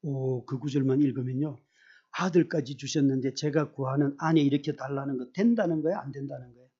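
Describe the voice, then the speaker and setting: A middle-aged male pastor preaching a sermon with personal testimony, telling it in an animated way, acting out his own prayers and putting questions to the congregation. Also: medium pitch, brisk, husky. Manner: animated storyteller, acts out quoted prayers, asks the congregation questions. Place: church service. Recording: dull lo-fi recording.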